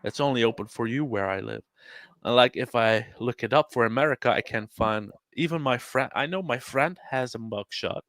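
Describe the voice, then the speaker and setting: A man from Belgium, a Dutch speaker, chatting casually and haltingly, often repeating words. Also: medium pitch, a bit bright, no echo. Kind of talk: casual podcast chat.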